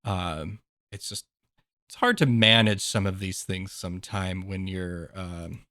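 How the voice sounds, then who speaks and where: A man's voice: low voice, fairly even intonation, measured pace, sharp tone, no echo, studio quality. A man narrating a tabletop game as game master in a casual, hesitant and explanatory way.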